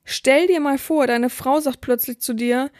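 A woman's voice: high voice, steady tone, a little slow, darkish tone, dry recording, studio quality. A woman hosting a podcast in a casual monologue, talking chattily and acting out quoted lines of dialogue. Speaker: podcast host, dominatrix.

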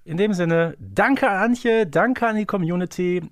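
A man co-hosting a casual fan podcast, speaking deliberately with slightly formal phrasing. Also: high voice, no room sound, clean studio sound. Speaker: podcast co-host.

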